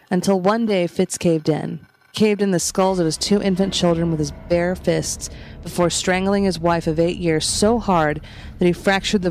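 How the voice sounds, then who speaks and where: A woman narrating a scripted first-person horror story in a measured, literary storytelling manner. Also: on the low side, creaky, darkish tone, rough recording. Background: background music.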